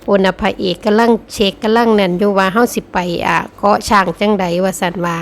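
A woman's voice: mid-range voice, fairly even intonation, fast talker. A middle-aged woman with an Isan accent, chatting casually to her viewers as a vlogger and laughing often. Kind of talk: casual vlog narration. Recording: roomy with faint background noise.

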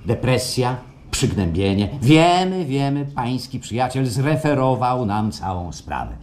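An actor playing a suave, assured institute president in a radio play, courteous, salesmanlike and smoothly insistent, with a theatrical delivery. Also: male voice, medium pitch, big pitch swings, unhurried, darkish tone. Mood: smooth, persuasive. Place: performed live at a radio theatre festival. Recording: live stage radio play, faint noise.

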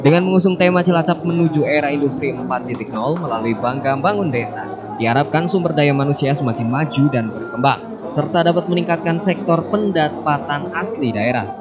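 Formal male news voice, slightly high. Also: brisk, lo-fi sound, over music. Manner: steady formal news delivery. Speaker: news presenter and reporter. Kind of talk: read news narration.

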